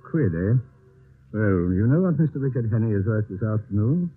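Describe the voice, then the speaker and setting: An actor playing a calm, measured police inspector, questioning dryly. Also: male voice, on the low side, a little hiss or hum, lightly acted. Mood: stern. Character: calm police inspector, middle-aged man. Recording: tinny old film soundtrack.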